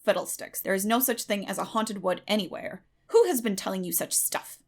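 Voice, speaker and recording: A woman plays a stern older woman in a storybook reading. Her voice has a creaky edge, and she scolds in a firm, brisk, unsympathetic way with no patience for nonsense. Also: mid-range voice, close to an everyday voice. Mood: incredulous. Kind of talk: dramatic audiobook character acting.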